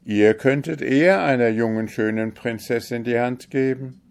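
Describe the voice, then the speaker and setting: An old grand vizier protests in a raised, loud voice, as a male narrator puts him on. He grumbles with force. It is a fairy-tale reading. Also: mid-range voice, extremely slow, creaky, smooth, pitched above the performer's own voice. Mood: protesting.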